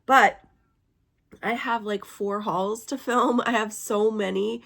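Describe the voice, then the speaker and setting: A woman in her thirties talks through her thrift finds in an easy, chatty way, her voice hoarse and raspy with a gravelly edge. Her pitch sits in a middle range, and she fills gaps with little ums. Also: fairly even intonation, takes it slowly, a bit bright. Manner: chatty, with fillers and small laughs. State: hoarse from illness. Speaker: vlogger showing a thrift haul. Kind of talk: casual chat.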